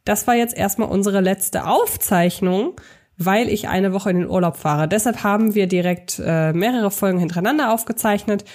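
A woman's voice: mid-range voice, normal speed, a little mellow. A woman co-hosting a podcast, casually discussing films and explaining her reasoning step by step. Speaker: podcast co-host.

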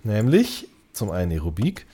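A man's voice: lowish voice, wildly swooping pitch, normal speed, dark tone, slightly rough. A man chatting casually as a podcast co-host, often repeating short words of agreement. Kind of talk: casual chat.

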